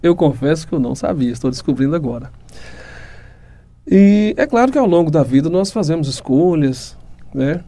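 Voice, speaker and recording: This podcast host is a man with a Goiás Brazilian Portuguese accent, his voice fairly high, expressive and dark-toned at a moderate pace. Upbeat and complimentary, he asks questions and addresses the audience.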